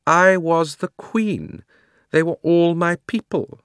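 A man's voice: on the high side, takes it slowly, fairly bright tone, clean tone, dry recording, clean studio sound, voice pushed up. A man voicing a proud, cruel and haughty queen of enormous height, speaking in an imperious, declamatory way.

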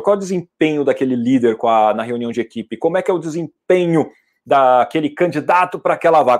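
Male oratory trainer, casual Q&A teaching, emphatic with loud bursts. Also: mid-range voice. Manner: lively and emphatic, with sudden loud outbursts. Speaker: public speaking and NLP trainer. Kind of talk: casual teaching, answering audience questions.

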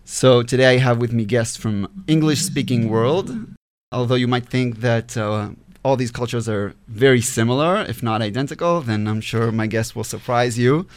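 A man hosting a panel podcast, talking in an upbeat, halting way with fillers and restarts. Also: mid-range voice, smooth. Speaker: podcast host.

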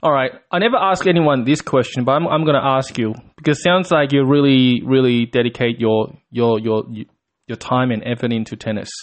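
A man's voice: medium pitch, fairly even intonation, fairly quick. A man hosting a casual interview, chatty and upbeat, with frequent stammering restarts. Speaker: podcast host.

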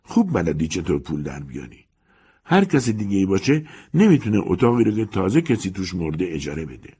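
A man voicing a gossipy middle-aged landlady in an audiobook story, speaking in a flattering, conspiratorial way. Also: sits low, husky, heavily acted.

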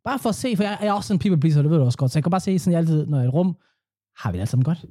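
A young man co-hosting a podcast in casual chat, animated and laughing often, dropping in English phrases. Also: on the high side. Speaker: podcast co-host.

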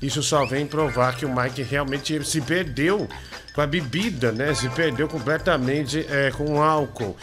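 Teasing Brazilian radio host over music. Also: male voice, fairly high pitch, unhurried. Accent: Brazilian Portuguese. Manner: mocking, teasing, repeats himself. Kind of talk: casual comic radio banter. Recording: music playing behind the voice.

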